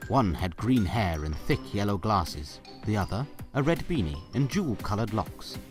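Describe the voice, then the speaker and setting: A man narrating a scripted story in a dramatic, expressive storytelling style. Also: fairly low pitch, moderate pace, soft background music. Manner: expressive, theatrical.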